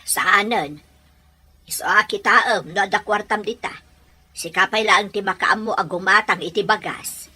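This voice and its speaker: An actress playing a stern, resentful mother in a radio drama, nagging and exasperated, with a husky voice and Filipino Ilocano accent. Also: mid-range voice, normal speed, sharp tone. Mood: bitter.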